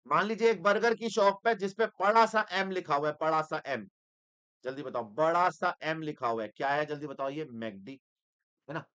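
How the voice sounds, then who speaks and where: A man teaching accounting in an energetic, teasing lecture style, switching between Hindi and English. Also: a little high, moderate pace, clean tone. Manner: animated, teasing, mixes Hindi with English terms.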